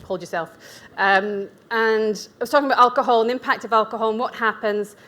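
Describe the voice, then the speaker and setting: A woman's voice: on the high side, steady tone, fast talker, bright, forceful tone. A woman in her forties with a Scottish accent, giving a conference talk as a nutrition practitioner. She speaks chatty and candid, with asides and self-deprecating humour. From Scotland. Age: 40s. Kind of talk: conference presentation. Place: event venue.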